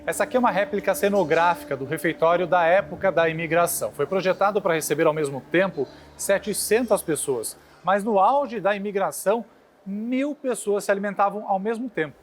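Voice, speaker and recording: A man's voice: high-pitched, brisk, long pauses, faint music behind. A man with a Brazilian Portuguese accent guiding visitors through a museum, explaining casually. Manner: explanatory, walking the viewer through the exhibit. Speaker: museum guide. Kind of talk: explanatory on-site talk.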